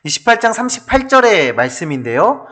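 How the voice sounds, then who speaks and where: A male pastor preaches with dramatic energy and rhetorical questions. His voice sits high and swoops widely. The tone is bright and forward. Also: very animated, a little fast. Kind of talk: sermon.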